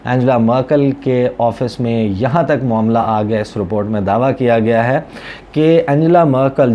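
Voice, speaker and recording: A man's voice: mid-range voice, warm tone, a little hiss or hum. A man with a Pakistani accent, a journalist giving conversational, explanatory news commentary to viewers and mixing in English words. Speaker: journalist covering foreign policy, presenter.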